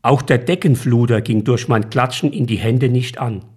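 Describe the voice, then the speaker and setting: A man reading his own short story aloud in a calm, measured storytelling manner. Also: medium pitch, husky. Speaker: author and reader.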